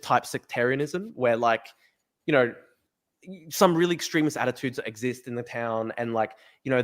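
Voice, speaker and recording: An Australian man hosting a live-stream podcast, talking rapidly and emphatically with lots of fillers and restarts. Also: medium pitch, fairly bright tone. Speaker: podcast host. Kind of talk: live stream chat, reading viewer comments.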